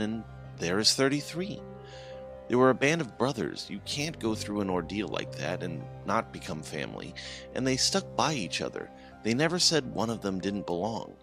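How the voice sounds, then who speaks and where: A man narrating a scripted horror story in a dramatic way, swelling and dropping his voice for suspense. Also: lowish voice.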